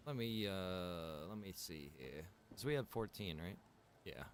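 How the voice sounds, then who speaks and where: A man with a fairly low voice streams a survival game in a casual way. He mutters his commentary as if talking to himself. There is some noise and ambience behind him. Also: lively intonation, measured pace.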